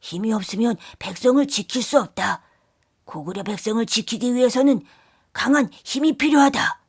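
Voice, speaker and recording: Woman as an earnest, high-voiced young prince. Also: normal speed, husky, no echo, clean studio sound. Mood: resolute. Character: earnest young prince who becomes a resolute king. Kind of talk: children's storybook acting.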